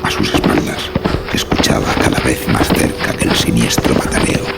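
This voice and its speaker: A man narrating a scripted horror story in a measured, suspenseful, dramatic way. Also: loud music behind the voice.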